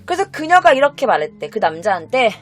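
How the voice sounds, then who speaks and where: A woman host telling a true-crime story in a casual, animated way, speaking directly to her viewers. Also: fairly high pitch, quick pace, faint music behind. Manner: animated, acts out quotes, addresses viewers.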